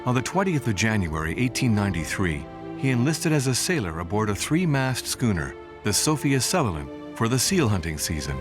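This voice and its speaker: Male documentary narrator: scripted, measured storytelling, lively rise and fall, music underneath. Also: lowish voice. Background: music bed.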